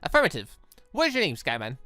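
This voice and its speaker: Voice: mid-range voice, huge pitch swings, fast, bright, forceful tone, no echo, faint music behind. A narrator voicing a cheerful, polite young robot girl in a visual novel, speaking in a chirpy, formal, matter-of-fact way.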